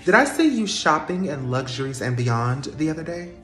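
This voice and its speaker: A smug store manager, as a comedian puts her on, speaking low and unhurried with cutting sarcasm. The voice sits in a roomy space with a thin bed of music behind it. She sounds completely unbothered. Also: big pitch swings, a bit bright.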